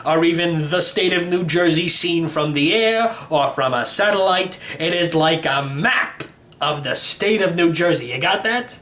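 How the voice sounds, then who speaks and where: A man's voice: fairly high pitch, fairly bright tone. A man voicing an eccentric, cheerful elderly uncle in a storybook, explaining things in a rambling, matter-of-fact way. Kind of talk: storybook character reading.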